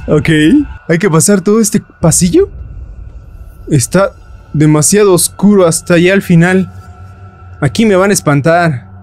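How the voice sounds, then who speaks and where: A man's voice: sits high, a little slow, long pauses, darkish tone, soft background music. A man commenting on a horror game he is playing, joking and breaking into nervous laughs and shrieks. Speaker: gaming YouTuber.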